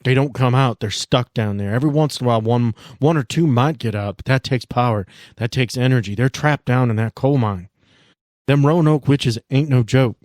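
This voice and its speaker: A man's voice: medium pitch, moderate pace, darkish tone, dry recording, studio quality, natural voice. A man voicing a stern, fearful local woman in a tabletop game, urgent, folksy and repeating warnings.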